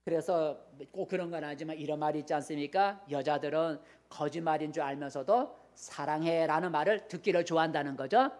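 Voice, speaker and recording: A man's voice: on the high side, quick pace, hardly any pauses, a little mellow. A male pastor giving a sermon in a conversational way, repeating phrases and asking the congregation questions.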